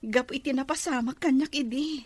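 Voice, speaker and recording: A woman's voice: sits high, moderate pace, natural voice. A woman with an Ilocano accent playing a young, sweet and forgiving daughter in a sentimental drama. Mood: hopeful, affectionate. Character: young college-age daughter, wounded but sweet and forgiving. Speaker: voice actor in an audio drama. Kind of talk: sentimental radio-style drama acting.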